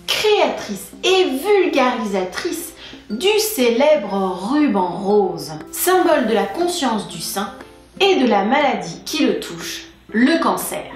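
A woman's voice: on the high side, big pitch swings, slow. A young woman hosting a breastfeeding channel, explaining a topic in an informative vlog with playful asides. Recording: echoey room with faint music.

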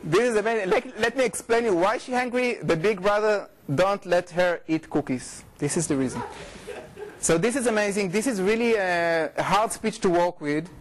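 A middle-aged man with an Israeli accent gives an informal academic talk, often halting, repeating and correcting himself. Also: high voice, a little hiss or hum. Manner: informal, halting, frequent repetitions and self-corrections. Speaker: researcher giving a lecture. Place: lecture room, indoors.

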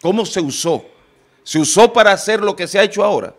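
A man's voice: high voice, fairly quick. Emphatic man debating on TV. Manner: emphatic, rising to forceful questions. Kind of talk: heated political panel debate. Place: TV studio. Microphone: desk microphone.

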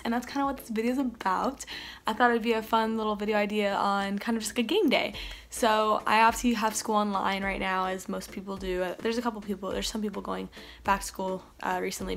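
A teenage girl vlogging casually from her bedroom, her voice a bit raspy and deep, with lots of "um" and "like" fillers. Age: teens. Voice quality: slightly raspy, deep from games. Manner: chatty, many fillers like "um" and "like". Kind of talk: casual vlog chat. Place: bedroom, indoors. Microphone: phone or camera close up, later farther off.

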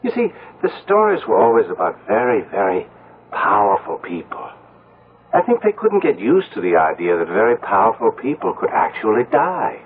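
Volatile gypsy lover, wildly swinging pitch. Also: male voice, big pitch swings, moderate pace. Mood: tender. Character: superstitious young male gypsy lover from Transylvania. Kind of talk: 1970s radio drama acting. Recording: muffled, tinny old radio broadcast.

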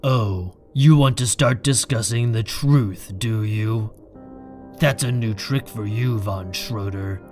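Man playing a low-voiced, coldly defiant man. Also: slow, a little mellow, faint music behind. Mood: cold, sardonic. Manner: sardonic, controlled, cutting. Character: proud, defiant, coldly angry man facing his enemy. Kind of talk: audio drama acting.

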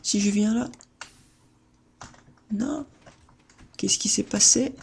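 A man commentating his own gameplay as a video host, excitable and theatrical, repeating words and breaking into sudden high-pitched outbursts while talking to his viewers. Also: slow, gravelly, husky. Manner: playful theatrical exclaiming, addresses viewers. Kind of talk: let's-play gameplay commentary.

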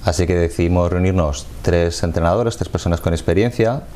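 A man, a football coach explaining his sport in a measured way during a TV studio interview on a lapel mic. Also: low-pitched, mellow, slight background noise. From Madrid, Spain. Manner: measured, explanatory, gestures with hands.

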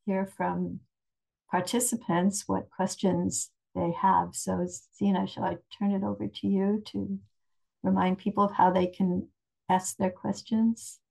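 Calm, gravelly-voiced older woman host. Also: medium pitch, a little slow, poor audio. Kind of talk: moderating a video call Q&A. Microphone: video call.

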